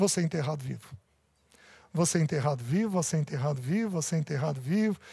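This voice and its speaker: A man speaks in a dark, mellow tone with lively intonation. The recording is very clean, with a silent background. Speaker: preacher. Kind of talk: sermon.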